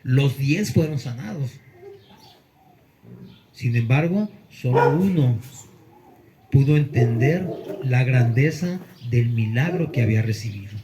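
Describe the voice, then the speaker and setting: A male pastor preaching a Sunday sermon, earnest with emphatic pauses. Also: mid-range voice, lively intonation, noisy background.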